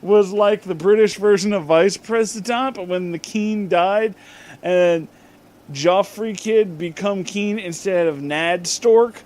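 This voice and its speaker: Man, comedic story reader, fairly high voice, very unhurried, deliberate mispronunciations. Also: a little mellow. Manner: deliberately reads misspellings as written. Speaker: host reading fan fiction aloud. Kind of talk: comedic dramatic reading with asides.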